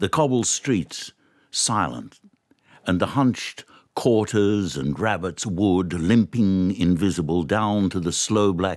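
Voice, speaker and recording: A very deep, low-pitched man's voice with lively intonation at a very slow pace, dry with no echo, over a quiet background. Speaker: actor. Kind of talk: dramatic reading of a radio play. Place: studio. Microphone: studio mic.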